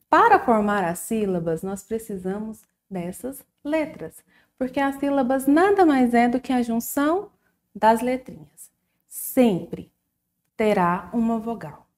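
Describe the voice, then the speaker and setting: Brazilian woman, children's teacher, lively pitch, unhurried sing-song delivery. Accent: Brazilian Portuguese. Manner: slow, sing-song, drawn-out syllables for young pupils. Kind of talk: recorded children's lesson.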